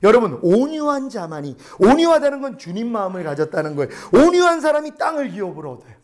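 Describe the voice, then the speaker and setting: A male pastor preaching a sermon, telling stories and asking rhetorical questions, moving between loud emphasis and hushed asides. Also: very high voice, very animated, quick pace. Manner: storytelling with frequent rhetorical questions.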